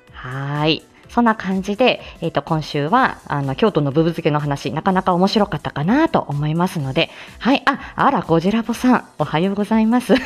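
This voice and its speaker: A woman hosting a casual solo live stream, chatting in a relaxed way, filling pauses with small hesitations, laughing lightly, and greeting listeners by name. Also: fairly low pitch.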